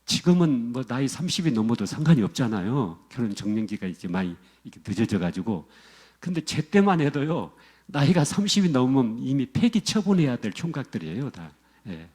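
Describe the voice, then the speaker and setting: A man's voice: mid-range voice, darkish tone, breathy edge. A middle-aged male pastor preaching a sermon to his congregation, emphatic and repetitive, often calling out to the listeners directly.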